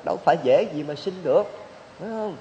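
A man's voice: on the high side, animated, brisk, dark tone, slight background noise, close to an everyday voice. A man voicing a loyal city man who begs a rich master on his friend's behalf. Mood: earnest. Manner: earnest, beseeching. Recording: dull hall recording with long reverb.

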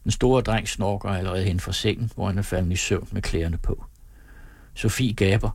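A man reading a novel aloud as an audiobook narrator, calm and measured in his storytelling. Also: deep voice, no room sound, studio quality. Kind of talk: scripted narration.

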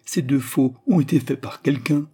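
A man's voice: mid-range voice, moderate pace, warm tone, slightly rough, close to an everyday voice. A man voicing an anxious, pleading male court jeweler with an insistent manner. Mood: desperate.

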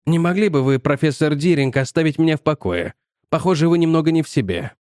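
A man voicing a calm, evasive young male scientist who answers in a coolly dismissive, polite way. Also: a little high, fast, dry recording, studio quality, close to an everyday voice.

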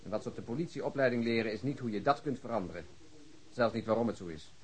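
An actor playing an embittered, principled middle-aged police detective in a radio drama, gruff and outspoken. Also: male voice, mid-range voice, animated, fast, slight background noise, close to an everyday voice. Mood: indignant. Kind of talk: radio drama acting in Dutch.

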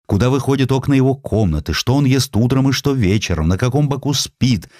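A man reading a historical essay as a dramatized audiobook, in an expressive, measured storytelling manner with pointed pauses. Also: low-pitched, dry recording, studio quality. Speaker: audiobook narrator.

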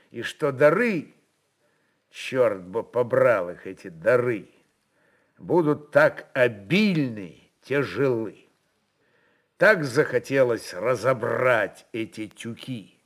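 Мужчина-рассказчик, неторопливое художественное чтение. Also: male voice, mid-range voice. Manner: measured, expressive storytelling. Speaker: narrator. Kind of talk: dramatic literary narration.

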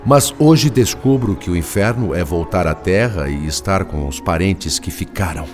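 A tormented male spirit in a radio drama, an indignant father pouring out his lament. The voice is low and swings widely with agitation, over clear background music. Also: expressive, normal speed. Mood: despairing.

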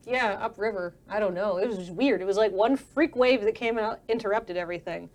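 A woman's voice: medium pitch, brisk, a little mellow, close to an everyday voice. Woman doing a grumbling teenage girl. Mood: dismissive. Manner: grumbling, exasperated complaining. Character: annoyed teenage girl boat renter. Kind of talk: tabletop role-play character voice.

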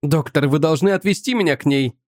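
A man's voice: a little high, a little fast, dry recording, studio quality, lightly acted. A man voicing an impatient, eager young man in an audiobook, raised and urgent. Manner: urgent, insistent. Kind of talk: audiobook character voice.

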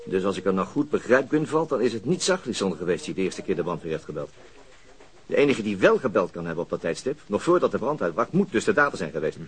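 An actor playing a wry, articulate senior police investigator in a radio crime drama. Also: male voice, low voice, very animated, fast, crowd noise. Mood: measured, pleased.

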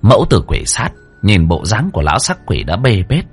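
A man's voice: lowish voice, sing-song, brisk, soft background music. A man narrating a horror story dramatically.

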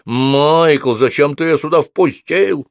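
A man's voice: on the high side, slow pace, dry recording, voice pushed up. A man voicing a proud, grumbling male fire demon with a hissing, grating way of speaking.

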